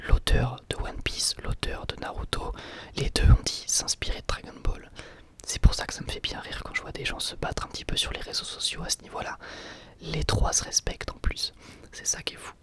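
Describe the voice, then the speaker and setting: A young adult host, whispering casual, hesitant answers to viewer questions into a close microphone for an ASMR video. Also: mid-range voice. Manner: soft steady whisper, casual and hesitant with many fillers.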